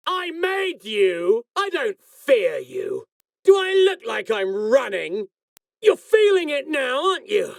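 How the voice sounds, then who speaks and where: An actor playing a cold, arrogant villainous scientist in a video game, speaking in a precise, formal, haughty way. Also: male voice, high voice, gravelly, no room sound, full character voice. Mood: taunting, menacing. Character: cold, arrogant villainous male scientist, menacing and self-assured.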